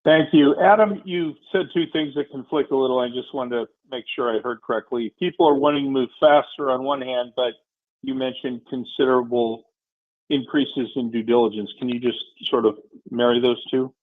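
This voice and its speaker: A man questioning a company as an analyst on an earnings call, deliberate and direct. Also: medium pitch, steady tone. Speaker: financial analyst. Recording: narrow phone-line audio.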